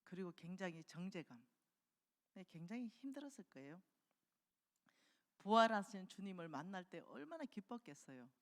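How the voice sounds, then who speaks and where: Woman preaching in an echoing hall. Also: lowish voice. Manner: animated storytelling, acting out quoted dialogue. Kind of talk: revival sermon. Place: church sanctuary. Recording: long hall reverb.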